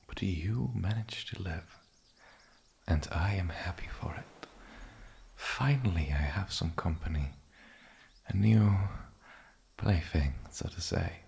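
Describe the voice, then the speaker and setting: Casting: male actor for lonely, menacing island demon, fantasy ASMR. Gravelly, whispery, soft-spoken, possessive; faint ambient noise behind the voice. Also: low-pitched, heavily acted. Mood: smug, pleased. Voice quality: breathy, often dropping into whisper. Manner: slow, halting, sinister politeness.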